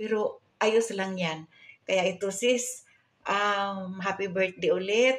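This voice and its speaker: The woman talks very slowly. Her pitch is medium and her intonation fairly even. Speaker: overseas worker, fellow vlogger. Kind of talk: birthday greeting message. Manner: hesitant, many fillers.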